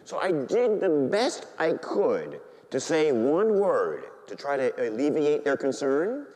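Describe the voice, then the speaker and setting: A middle-aged man, a priest, preaching and telling a story with great feeling, dropping to a hush and rising to high excited tones. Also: a little slow. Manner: animated storytelling, swings from hushed to high excited voice. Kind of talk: sermon. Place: church. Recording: reverberant church hall.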